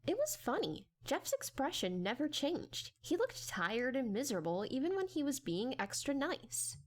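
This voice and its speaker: A woman reads a story aloud as a dramatic narrator. Her voice is fairly high and very animated in pitch, with music playing underneath. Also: moderate pace.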